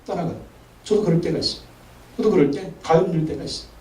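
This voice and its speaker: Male pastor, high voice, forceful preaching with repeated calls, echoey sanctuary picked up from a distance. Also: fast talker, a crowd in the background. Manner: emphatic, commanding declarations; repeats phrases for emphasis. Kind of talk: Sunday sermon. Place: large church sanctuary.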